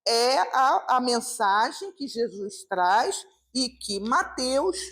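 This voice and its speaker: A woman's voice: fairly high pitch, big pitch swings, slow, a bit bright. A woman speaker giving an informal, conversational talk on a gospel reading at a live public meeting, with many rhetorical questions. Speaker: guest speaker at a spiritist meeting.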